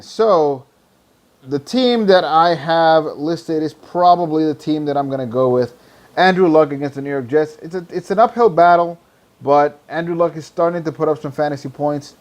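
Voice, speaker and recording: A hoarse, tired man hosting a podcast, rambling loosely through fantasy football picks and swearing freely. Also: on the high side, moderate pace. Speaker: podcast host. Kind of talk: casual fantasy football talk.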